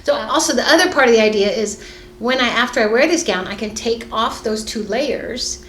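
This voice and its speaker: Middle-aged woman designer, casual rambling studio chat, slightly high voice, roomy echo. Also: slight background noise. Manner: chatty, rambling, many fillers and restarts. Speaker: fashion designer and sewing vlogger. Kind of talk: casual chat while sewing. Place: sewing studio indoors. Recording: echoey room with faint ambience.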